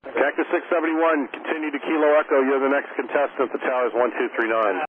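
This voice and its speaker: A man's voice: medium pitch, steady tone, quick pace. A man working as an air traffic controller, bantering wryly in radio exchanges. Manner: wry, bantering. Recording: tinny aviation radio with static.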